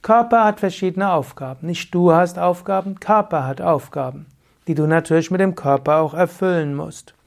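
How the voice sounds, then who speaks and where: Calm man giving spiritual teaching. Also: on the high side, normal speed, creaky. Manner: calm, instructive, addresses the listener directly with repeated phrases. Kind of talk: spoken spiritual teaching to camera.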